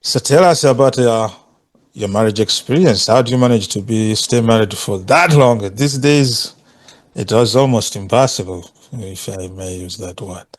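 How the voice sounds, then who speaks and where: A man hosting a conversational interview in a polite, halting way. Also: fairly low pitch, dry recording. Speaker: interviewer, host.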